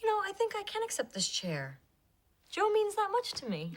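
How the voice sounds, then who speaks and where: An actress playing a flustered, wisecracking woman who is quick to defend herself, in a broad sitcom style. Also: extremely high pitch, exaggerated voice. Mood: pleased, excitable. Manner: animated, defensive, wry.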